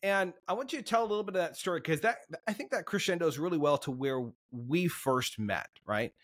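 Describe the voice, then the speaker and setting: Guy hosting a podcast, animated up-and-down voice, a bit high, setting up the guest's story. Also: brisk. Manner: lively, leading the guest into a story. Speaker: podcast host. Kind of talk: interview questions.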